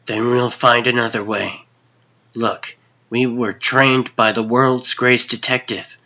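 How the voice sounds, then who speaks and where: A man's voice: medium pitch, level tone, measured pace, sharp tone, voice pushed up. A man voicing an earnest, loyal young superhero sidekick with an urgent manner in a comic dub. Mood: earnest, reassuring.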